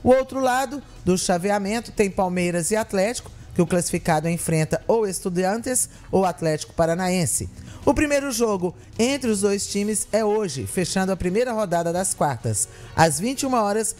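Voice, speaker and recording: A woman's voice: mid-range voice, lively intonation, moderate pace, a little mellow, soft background music. A woman presenting sports news on the radio, reading the items steadily with brief asides. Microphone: studio mic with headphones.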